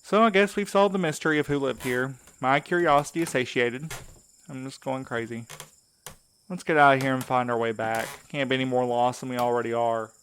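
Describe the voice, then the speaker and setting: A man's voice: mid-range voice, brisk, a bit bright, a little hiss or hum, natural voice. A man playing a wry, exasperated, wary supernatural mail courier in an audio drama, talking in a colloquial, needling way. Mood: dry sarcasm.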